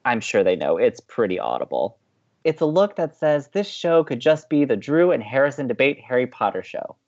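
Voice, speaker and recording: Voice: medium pitch, big pitch swings, moderate pace, a little mellow, highs cut off. A performer playing an upbeat, chatty young college radio co-host in an audio drama, teasing and playful. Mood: playful, animated. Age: young adult.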